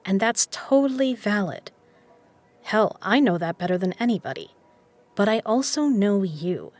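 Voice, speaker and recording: A woman's voice: medium pitch, lively intonation, normal speed, darkish tone, soft background music, lightly acted. A woman acting in an audio drama as a confident, teasing poker player who is frank and caring. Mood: caring, insistent.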